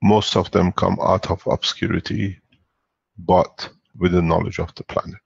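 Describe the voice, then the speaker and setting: A man with a low, gravelly voice speaks in a deliberate, formal manner as host. His tone is husky and rough. The audio is dry and dull, like lo-fi call sound. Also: flat delivery, no room sound. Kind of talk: speech on an online call.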